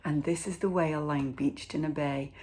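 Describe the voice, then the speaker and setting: A woman teacher reading a rhyming children's picture book aloud in an expressive, rhythmic way, drawing out words. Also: deep voice, normal speed, a little hiss or hum, low-quality recording.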